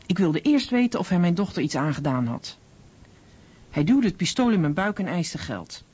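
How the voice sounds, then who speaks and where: Shopkeeper mother, husky, lively intonation, documentary voice-over, muffled audio. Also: lowish voice, normal speed. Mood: tense recollection. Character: shopkeeper mother recalling an armed robbery. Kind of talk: Dutch voice-over translation in a radio documentary.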